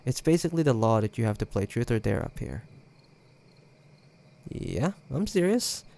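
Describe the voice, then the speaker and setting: A man acting a playful, teasing young ex-boyfriend in an intimate roleplay audio drama, talking casually with hesitant pauses and a creaky edge. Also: mid-range voice, big pitch swings, a little mellow.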